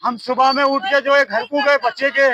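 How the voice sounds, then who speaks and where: An older man, pleading and halting as he speaks in a street interview. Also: very high voice, steady tone, dull audio, noisy background. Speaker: victim's father.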